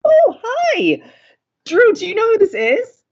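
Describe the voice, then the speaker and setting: A woman playing an encouraging, excitable young college radio co-host in an audio drama. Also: very high-pitched, slow pace, muffled recording, heavily acted. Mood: excited. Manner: gushing, excitable.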